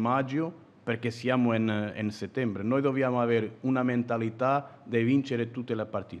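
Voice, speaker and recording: A man with a Portuguese accent at a fairly quick pace, with fairly even intonation. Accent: Portuguese-accented Italian. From Portugal. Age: 30s. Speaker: football club sporting director. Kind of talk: press conference. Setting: press room. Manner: halting. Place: hall.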